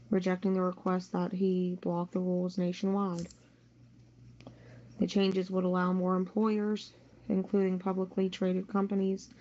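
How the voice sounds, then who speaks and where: A woman's voice: fairly low pitch, warm tone, muffled recording. A woman co-hosting a podcast, reading a news story aloud.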